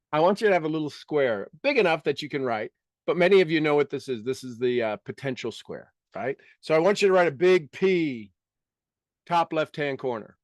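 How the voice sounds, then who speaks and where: A man with a slightly raised pitch leads a motivational workshop in front of a live audience. He talks emphatically and repeats his key words for effect. The sound is dry, with little room echo. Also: animated, normal speed. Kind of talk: live seminar teaching to an audience.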